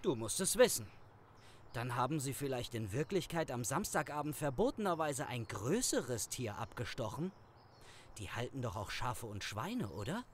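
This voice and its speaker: A man's voice: medium pitch, sing-song, moderate pace, a little hiss or hum, close to an everyday voice. A man playing a wary, annoyed policeman on desk duty in a crime audio drama, brusque and sarcastic. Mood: wary, curious. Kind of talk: German crime audio drama acting, conversational.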